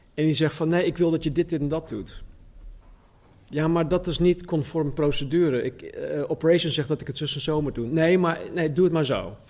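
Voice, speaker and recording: The voice moves at a fairly quick pace with ordinary pitch variation on a very clean recording with a silent background. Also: man. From US West Coast (California). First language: English (speaking Dutch). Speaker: pastor. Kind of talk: sermon. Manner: hesitant, many fillers and repetitions.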